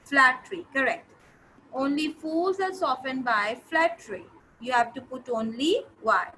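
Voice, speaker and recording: A woman's voice: high-pitched, unhurried, sharp tone, slight background noise, low-quality recording. A woman with a South Asian accent teaching an interactive grammar lesson, instructive, repeating phrases and checking that pupils understand. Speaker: English teacher.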